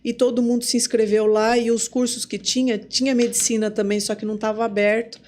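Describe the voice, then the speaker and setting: A woman with a Brazilian Portuguese accent, a psychologist speaking as a podcast guest and telling her story in a casual, lively way, acting out remembered conversations. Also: on the high side, brisk, slight background noise. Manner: lively storyteller who acts out remembered dialogue. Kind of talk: casual spoken testimony.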